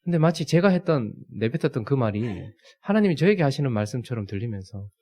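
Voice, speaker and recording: A man's voice: medium pitch, very animated, quick pace, darkish tone. A man, preaching a sermon and telling a family story, acting out the scenes. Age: 30s. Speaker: pastor.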